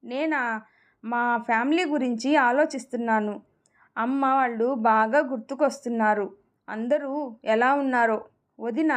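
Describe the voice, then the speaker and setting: A woman voicing a bashful, caring young wife in a read-aloud family story, speaking gently in a high voice. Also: natural voice.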